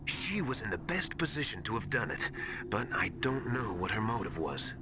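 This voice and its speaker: A man's voice: lowish voice, sing-song, normal speed, noisy background. A man voicing a worried military ally in a video game, explaining things in an earnest, hesitant manner. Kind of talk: dramatic video game voice acting. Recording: loud music over the voice.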